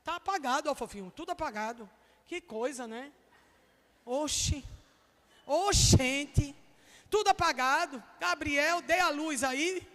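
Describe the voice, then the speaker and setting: A woman preacher with a Northeastern Brazilian accent, giving a jokey, chatty sermon that bursts into shouts. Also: sits high, unhurried, pauses often, in a large hall. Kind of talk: lively humorous sermon. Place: church hall.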